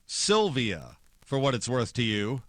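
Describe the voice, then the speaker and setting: An actor playing a hard-boiled, wry private detective with terse, sardonic wisecracks, in old-time radio noir style. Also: male voice, medium pitch, huge pitch swings, a little slow, fairly bright tone, no room sound, full character voice. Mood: guarded, wry.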